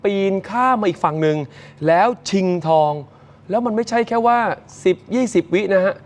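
Man, news presenter, animated storytelling, slightly high voice. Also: moderate pace. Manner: animated, chatty, addresses viewers directly. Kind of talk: lively morning news storytelling.

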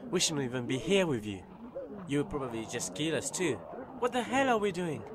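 A man's voice: fairly high pitch, sing-song, fairly quick. A man playing a mouthy, hot-headed survivor in a zombie audio drama. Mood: bitter, accusing. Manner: confrontational. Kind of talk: amateur audio drama acting. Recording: noisy amateur recording.

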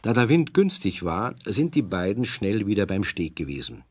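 A man's voice: on the low side, very animated, moderate pace, husky. A man narrating a children's radio play as a scripted storyteller.

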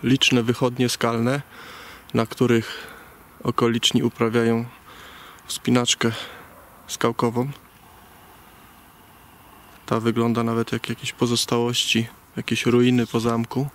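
Flat-toned man hiking through a forest. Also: medium pitch. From Poland. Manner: unhurried, plain, talks while walking. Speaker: hiking vlogger. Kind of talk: casual spoken walk-through narration. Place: leafless forest outdoors. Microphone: action camera on a selfie stick.

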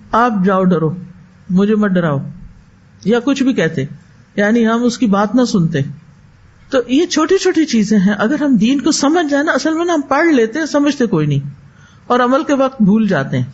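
A woman giving a religious lecture as a teacher, lively and full of rhetorical questions, slowing into chanted recitation of verses. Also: medium pitch. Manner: animated, asks rhetorical questions and answers them. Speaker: Quran teacher. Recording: dull lo-fi recording.

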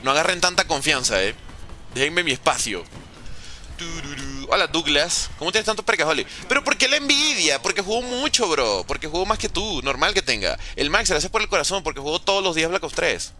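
On the high side and fairly quick, this Venezuelan streamer's voice is bright and forceful with big swings in pitch, over soft background music. At home in a windowed room, he plays and chats casually, reading viewer messages aloud and joking around.

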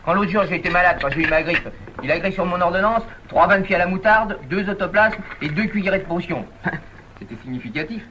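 A man's voice: high-pitched, fast talker, noisy background, natural voice. An actor playing a gossipy, sly old grandfather in an old comedy film. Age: older. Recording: dull old film soundtrack.

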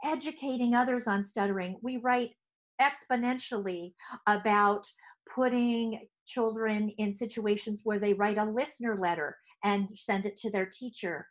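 A middle-aged woman, a speech therapist, presenting to fellow clinicians from her office, talking with lively hand gestures into a headset mic. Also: medium pitch, normal speed. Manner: animated, gesturing with both hands. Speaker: speech-language pathologist. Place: home office.

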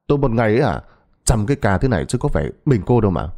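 A man's voice: fairly low pitch, big pitch swings, mellow. A man doing a brusque older country doctor. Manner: brisk, matter-of-fact, teasing.

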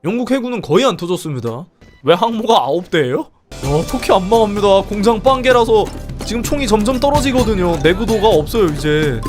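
Young male streamer, excitable play-by-play, slightly strained voice. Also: high voice, a little fast, faint music behind. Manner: animated, exclaiming, laughing often, swearing. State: strained voice from singing. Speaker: streamer commentating a multiplayer strategy game. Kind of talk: excited live game commentary.

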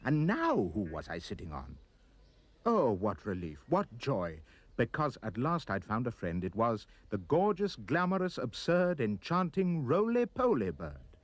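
Expressive man reading rhyming poem. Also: unhurried. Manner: expressive storyteller, swooping pitch. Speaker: reader.

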